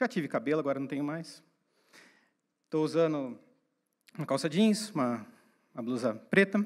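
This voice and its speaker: On a very clean recording with a silent background, a man with a fairly high pitch speaks at a moderate pace with lively intonation and long, frequent pauses. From Brazil, interior of São Paulo state. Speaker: agile specialist, conference speaker. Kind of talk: conference talk. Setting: stage with audience.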